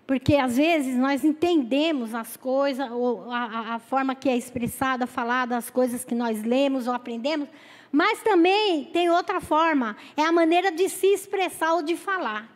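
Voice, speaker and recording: A middle-aged Brazilian woman preaching a sermon and telling a personal story, halting and repeating words as she calls her listeners brothers. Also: high voice. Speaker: lay preacher. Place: church hall. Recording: echoey church hall.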